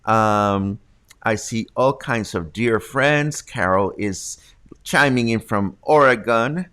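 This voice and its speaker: A man's voice: fairly low pitch, slow pace, fairly bright tone, smooth. Man, 50s, congested news host, casual and chatty, home studio mic. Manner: chatty, reads viewer comments aloud. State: congested from allergies. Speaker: host of a local news livestream. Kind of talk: casual news reading and viewer chat. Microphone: large studio condenser mic.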